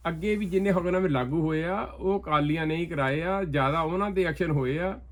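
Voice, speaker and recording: A man giving his views in a political discussion, talking emphatically and sometimes dropping low for asides. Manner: talks fast, emphatic, often animated, drops low for asides. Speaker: interview guest.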